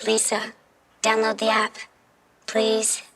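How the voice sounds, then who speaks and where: A woman's voice: a little high, completely flat delivery, takes it slowly, fairly bright tone, a little hiss or hum. A woman playing an earnest, eager fifteen-year-old girl from the future in an audio drama, insistent and persuasive. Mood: pleading.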